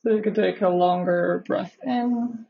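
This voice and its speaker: A woman leading a guided meditation in a measured, instructional way, with long pauses between phrases. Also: mid-range voice, creaky, highs cut off. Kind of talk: guided meditation, live session.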